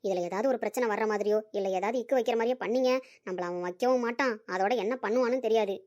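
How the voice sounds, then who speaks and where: A woman's voice: a little high, quick pace, a little mellow, lightly acted. A woman voicing a stern, protective middle-aged mother who warns an astrologer in an amateur audio drama. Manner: stern, warning.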